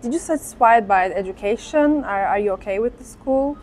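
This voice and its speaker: A woman's voice: a little high, lively intonation, a little fast, a little mellow, slight background noise. A woman interviewer asking short, simply worded questions in imperfect English.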